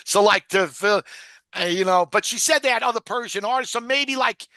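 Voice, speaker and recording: A man's voice: high voice, a little fast, pushed and bright, no room sound, studio quality. A man hosting a casual podcast, talking in loose, profane rambles full of fillers. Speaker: podcast host. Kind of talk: casual rewatch podcast chat.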